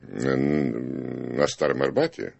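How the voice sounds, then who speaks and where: A man in a studio discussion, explaining things in an emphatic, deliberate storytelling way with pauses. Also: rumbling low, fairly even intonation, gravelly, a little mellow, no room sound.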